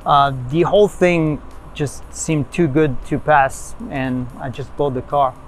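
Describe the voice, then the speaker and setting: A man's voice: fairly high pitch, soft background music. Hesitant French-accented man in a car. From France. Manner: hesitant, halting, many fillers. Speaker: car owner guest. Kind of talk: casual interview in a car. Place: inside a car on city streets.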